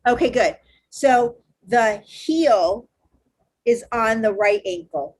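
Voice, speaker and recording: A woman teaching a live online yoga class, cueing poses step by step in a loud, encouraging, chatty way over a video call. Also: a little high, lively intonation, slow pace. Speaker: yoga instructor.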